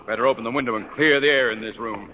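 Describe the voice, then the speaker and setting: A man's voice: mid-range voice, fast talker, close to an everyday voice. An actor playing a pompous, bossy middle-aged male school principal in 1940s radio comedy style, barking orders. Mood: blustering. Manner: bossy, explosive, shouting orders. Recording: muffled old radio broadcast, reverb, heavy hiss.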